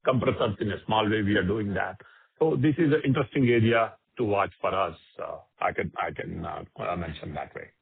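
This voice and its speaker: A man, a company executive, answering analyst questions on an earnings call with many fillers and pauses. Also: on the low side, gravelly, husky, no echo. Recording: tinny phone line.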